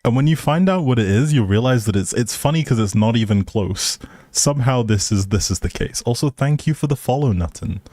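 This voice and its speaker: A man's voice: medium pitch, lively intonation, fairly quick, dark tone, no room sound. A man hosting a livestream, chatting casually and informally straight to his viewers. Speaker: livestream host.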